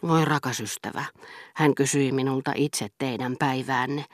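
Nainen lukee turhamaisen ja itseensä tyytyväisen herttuan, joka puhuu leppoisasti ja viattomuutta teeskennellen. Ääni on kuiva ja lähimikitetty. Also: female voice, rumbling low, fairly even intonation, no room sound, studio quality. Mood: affable. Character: vain, self-satisfied aristocratic duke. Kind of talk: audiobook character reading.

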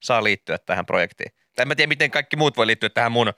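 A man's voice: medium pitch, lively intonation, pushed and bright, no room sound. A man co-hosting a radio show in a studio, chatting casually and defending himself playfully. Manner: playfully defensive, self-mocking. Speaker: radio co-host. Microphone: studio microphone.

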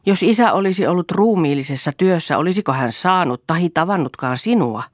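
A woman's voice: fairly low pitch, lively intonation, dry recording, clean studio sound, voice pushed up. A woman reading an audiobook, voicing an earnest, thoughtful elder daughter.

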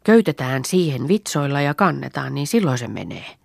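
A woman's voice: rumbling low, sing-song, creaky, darkish tone, no echo, studio quality, heavily acted. Woman reading as a practical young farm girl. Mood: plain.

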